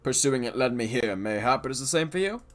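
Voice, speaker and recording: A man voicing a grand, flowery older nobleman from a video game, delivering lines loudly and with flourish. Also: mid-range voice, lively intonation, fast talker, close to an everyday voice. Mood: grandiose. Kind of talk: game dialogue read aloud.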